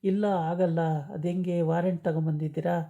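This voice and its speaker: A woman quotes a young husband challenging a police officer to prove his wife's guilt. The voice is low and mellow, barely changed from her own. The recording is lo-fi and dull. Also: fairly even intonation, moderate pace, vocal fry. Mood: protesting. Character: young man protesting his wife's innocence.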